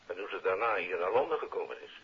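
A dismissive, matter-of-fact senior policeman speaks Dutch with a Netherlands accent over a telephone. His voice is lowish and very husky, with brisk authority. It comes from a dull-sounding 1950s radio play. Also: animated, heavily acted. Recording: dull old radio recording.

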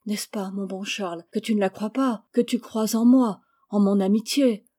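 A woman reading a novel aloud, voicing a gentle blind young woman who speaks softly and soothingly. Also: fairly high pitch, fairly even intonation, unhurried. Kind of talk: audiobook character reading.

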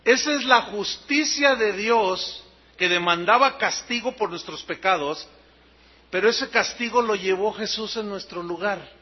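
A man with a Mexican accent preaching a sermon, animated, explaining the meaning of words and acting out scenes. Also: high-pitched, a little slow, breathy edge. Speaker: pastor. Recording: dull lo-fi sermon recording.

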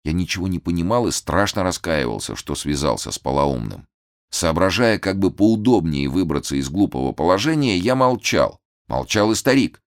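A man reading a novel aloud as an expressive audiobook narrator. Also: low-pitched, normal speed, dry recording, studio quality. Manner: expressive storytelling. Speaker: audiobook reader. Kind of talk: scripted narration.

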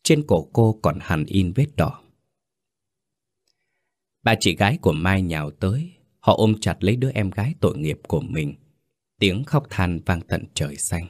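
A man reading a story in a steady, grave way. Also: low-pitched, normal speed, no room sound, clean studio sound. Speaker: narrator. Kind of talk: scripted story narration.

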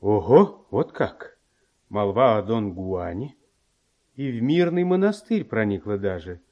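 An actor playing a long-suffering, mocking manservant in a classic verse radio drama, full of muttered asides. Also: male voice, fairly low pitch, sing-song, unhurried, highs cut off. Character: grumbling, sardonic manservant of a nobleman, long-suffering.

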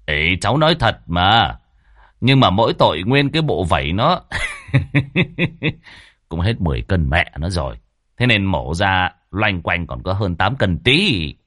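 Man doing a gossipy village man, excitable, panicky, lively pitch, dry. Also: no echo, exaggerated voice. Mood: chatty. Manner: fast, panicky and exclaiming.

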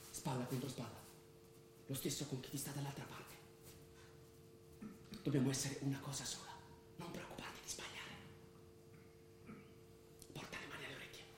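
A man's voice: fairly even intonation, normal speed, pauses often, close to an everyday voice. Man acting frank Muslim guide in echoing hall. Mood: guiding. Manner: frank, instructive. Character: pragmatic, guiding Muslim believer, frank and friendly. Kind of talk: theatrical radio drama dialogue. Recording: very echoey stage, faint rumbling noise.

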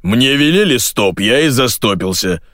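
A man voicing a sullen male stagehand with a deep bass voice who talks slowly. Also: animated, fairly bright tone, no echo, clean studio sound, natural voice.

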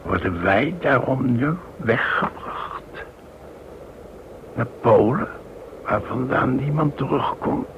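Slow, gravelly anxious deportee. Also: male voice, medium pitch, lively intonation. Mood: tearful dread. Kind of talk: Dutch radio play acting. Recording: dull old recording, clear noise.

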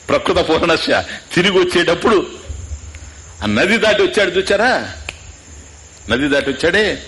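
A man's voice: a little high, a bit bright. A man giving a spiritual discourse as a Vedanta teacher, often quizzing his listeners and dropping in English asides.

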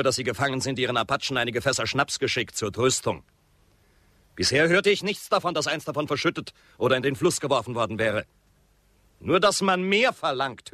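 A grandiose white railway chief in a radio western. His voice is bright and forceful, swinging widely in pitch, recorded very dry. He mocks and speechifies with sardonic relish. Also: no echo. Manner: sardonic, rhetorical, theatrical. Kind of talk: radio drama acting.

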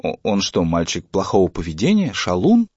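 A man's voice: low voice, huge pitch swings, moderate pace, a little mellow, no echo, muffled recording, heavily acted. A man reading a story, voicing a mild, puzzled old father questioning his son.

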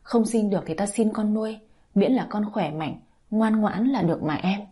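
A woman reading the lines of a torn, gentle young husband in a story, softly and wearily. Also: medium pitch, moderate pace, husky, close to an everyday voice. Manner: soft, weary.

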